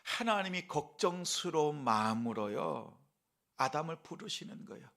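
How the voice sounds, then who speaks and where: A male pastor preaching with a fairly high voice. He poses question after question to the congregation. His delivery moves from hushed whispers to strong, pleading emphasis. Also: lively intonation, moderate pace, creaky. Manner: dramatic shifts between soft whispers and raised pleading voice; asks the congregation rhetorical questions. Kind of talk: sermon.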